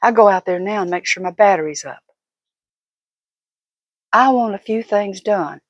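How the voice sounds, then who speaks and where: A woman's voice: mid-range voice, moderate pace, no room sound, highs cut off. An older woman vlogger talking casually and giving opinions in an emphatic, folksy, fussing manner.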